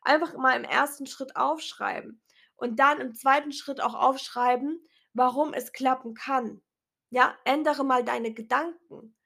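A woman speaking loudly and earnestly to her viewers in a casual, unedited motivational vlog, her voice a little strained. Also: high-pitched, fairly even intonation, unhurried, gravelly. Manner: earnest, encouraging, talks loudly. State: clearing her throat, voice a bit strained. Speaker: vlogger. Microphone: self-recorded, unedited.

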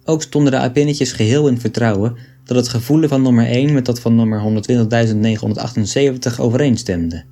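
A man reading aloud an old book in a measured, deliberate way. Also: medium pitch, mellow. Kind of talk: scripted narration of an 18th-century text.

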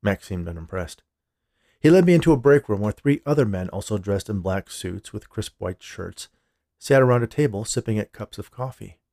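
A man's voice: on the low side, animated, normal speed, mellow, no room sound. A man reading scripted first-person fiction as a podcast narrator, close to the microphone. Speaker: writer, narrator and podcast host.

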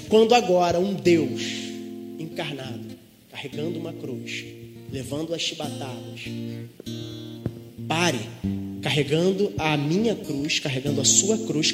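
Brazilian male preacher, high voice; lively, jokey sermon with asides; reverberant hall, music underneath. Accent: Brazilian Portuguese. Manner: lively, joking asides, digresses and laughs.

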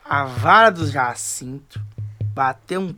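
Male river guide: folksy storyteller, rural northern Minas Gerais accent, very lively delivery, music underneath. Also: medium pitch, slow, heavily acted. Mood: uneasy. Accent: Brazilian, rural northern Minas Gerais. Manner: colloquial, animated storyteller. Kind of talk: audio drama acting.

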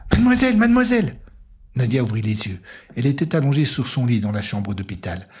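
A man narrating an audio story in a measured, steady way, with music underneath. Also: fairly low pitch.

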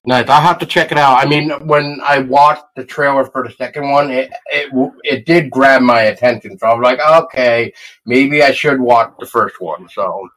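A man's voice: medium pitch, moderate pace, a bit bright, rough recording. A man hosting a casual interview, hesitant and full of fillers as he talks. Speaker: podcast host.

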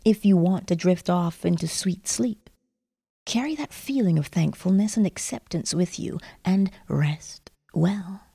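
A woman narrates a guided sleep meditation like a sleep story, soft and breathy, often near a whisper, in measured instructions with lingering pauses. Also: on the low side. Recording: long reverberant echo.

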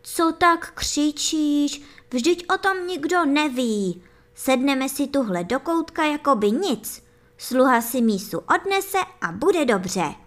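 A woman reading plays a poor wife in a fairy tale. She is curious and coaxing, and her voice sits high. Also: very animated, a bit bright. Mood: soothing. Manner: coaxing and pleading.

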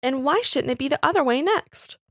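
A woman's voice: sits high, expressive, fairly quick, no room sound, clean studio sound, pitched above the performer's own voice. A woman voicing a pert, defiant young housemaid with uneducated servant's speech in a story reading.

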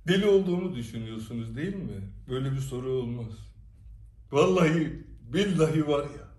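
A man's voice: mid-range voice, lively intonation, fairly quick, darkish tone, distant mic. A man giving an emphatic direct-to-camera monologue to his followers, telling stories and firing off rhetorical questions. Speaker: commentator addressing followers. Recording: echoey room, away from the mic.

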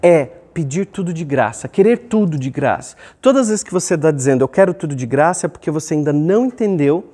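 A man's voice: a little high, lively intonation, a little fast, few pauses, warm tone, slightly rough. A man with a Brazilian Portuguese accent, hosting his own self-help video and giving an emphatic motivational talk to camera, repeating key phrases and shifting his pace. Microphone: camera microphone.

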